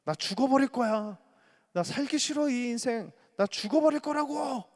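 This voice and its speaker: A man voicing Job, a despairing grown man pleading with God in a high, strained, whiny voice. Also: normal speed. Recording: echoey church hall.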